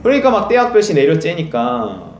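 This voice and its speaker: A man's voice: fairly high pitch, normal speed, reverberant, soft background music. A man preaching a Sunday sermon as pastor, telling stories and acting out quoted dialogue, with frequent laughs. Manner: animated storytelling, acts out quoted dialogue, laughs often. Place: church sanctuary.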